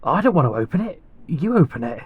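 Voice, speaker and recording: An actor playing a nervous male worker in an audio drama, reluctant and colloquial, with a slightly husky voice. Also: a little high, very animated, quick pace, slight background noise. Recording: dull, muffled sound.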